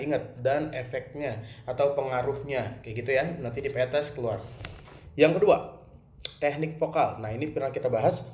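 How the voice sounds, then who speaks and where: A man's voice: medium pitch, warm tone. A male teacher with a Jakarta accent explains a music lesson plainly, asking and answering his own questions. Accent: Jakarta Indonesian. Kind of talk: recorded lesson for students. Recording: roomy with faint ambience.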